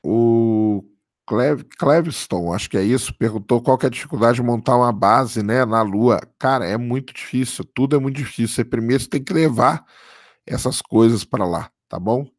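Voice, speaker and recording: A man, hoarse from a cold, casually commenting on a live stream and answering viewer chat, often checking in with "tá?". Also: mid-range voice, moderate pace, no echo, studio quality. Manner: casual, keeps adding "tá?" for confirmation. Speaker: livestream host.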